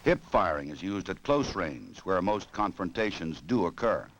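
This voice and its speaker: An American man reading scripted 1960s training film narration in a formal, measured, authoritative way. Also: sits low, sing-song, dull audio. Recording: noisy old film soundtrack.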